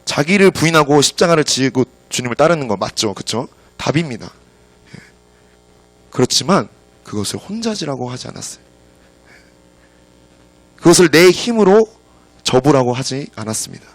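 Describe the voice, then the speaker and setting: A male preacher delivering a sermon, telling a story and often filling pauses with a soft "yes.". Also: a little high, sing-song, no room sound. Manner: fills pauses with frequent "yes". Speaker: pastor.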